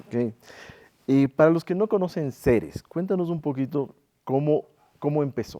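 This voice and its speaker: A man's fairly high yet dark, mellow voice at a moderate pace, with long, frequent pauses, ordinary pitch variation and dry, close sound free of echo. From Ecuador. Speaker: podcast host. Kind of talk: interview.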